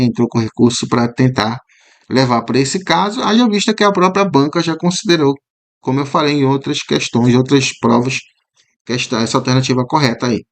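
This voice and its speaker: Brazilian man explaining exam questions. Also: medium pitch. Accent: Brazilian Portuguese. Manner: explanatory, frequent "né?" tags, repeats words slowly to model pronunciation. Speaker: teacher. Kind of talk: commented exam walkthrough.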